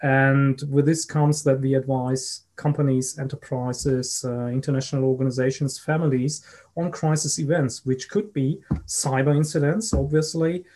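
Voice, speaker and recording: A man with a German accent speaks as a consultant guest in an interview. His voice is soft-edged and mellow, and his delivery is measured, with halting phrases. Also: mid-range voice, fairly even intonation. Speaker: guest, risk and crisis management consultant. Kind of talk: podcast interview answers.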